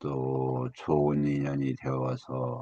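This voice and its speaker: A man's very deep, low voice. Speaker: Buddhist monk. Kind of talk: dharma talk. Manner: hesitant, with fillers.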